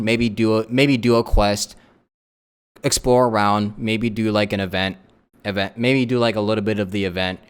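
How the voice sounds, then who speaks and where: A man streaming a casual live reaction, talking in a rambling way with lots of restarts and fillers. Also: lowish voice.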